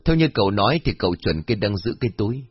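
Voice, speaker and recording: A man's voice: on the low side, big pitch swings, slightly rough, no room sound, dull audio. A man doing a composed young police officer. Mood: questioning. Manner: measured, questioning, businesslike.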